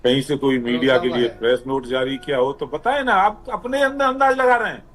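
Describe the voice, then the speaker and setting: A man's voice: medium pitch, fairly quick, fairly bright tone. A man speaking as a party spokesperson in a political debate, rebutting in an insistent, challenging way.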